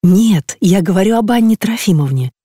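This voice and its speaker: A reader voicing a formal, earnest young gentleman suitor in an audiobook, speaking with polite courtesy. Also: high voice, lively intonation, normal speed, husky, no echo, studio quality.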